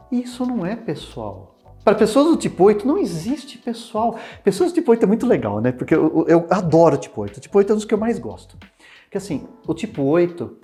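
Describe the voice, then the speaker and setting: A man with a Brazilian Portuguese accent, explaining personality types in an expressive talk, acting out everyday examples as he goes. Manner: expressive, swings pitch widely, acts out examples. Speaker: enneagram teacher.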